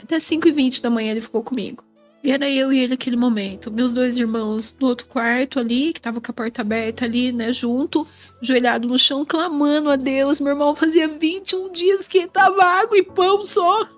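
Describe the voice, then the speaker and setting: A woman with a Brazilian Portuguese accent gives a tearful faith testimony as a mother, crying, repeating phrases, and raising her voice in bursts. Her voice is high and fairly quick, with soft music in the background.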